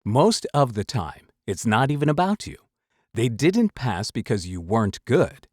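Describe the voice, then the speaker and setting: A man hosting a motivational advice talk, emphatic and semi-scripted, with dramatic pauses. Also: mid-range voice, big pitch swings, darkish tone, husky, no room sound, studio quality. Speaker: host, voice-over coach.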